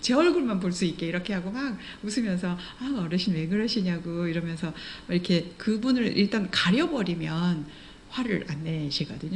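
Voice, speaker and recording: Middle-aged woman, school director, exam-prep lecturer, animated intonation, patient explainer. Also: on the low side, slight background noise. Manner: explains patiently, acts out residents' remarks. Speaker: care training school director.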